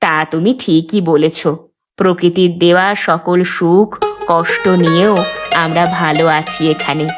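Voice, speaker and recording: A woman playing a gentle, resigned river gypsy mother in a cartoon, speaking earnestly and plaintively. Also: lowish voice, fairly even intonation, unhurried, soft background music, close to an everyday voice. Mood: gentle, contented. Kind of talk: cartoon dialogue acting.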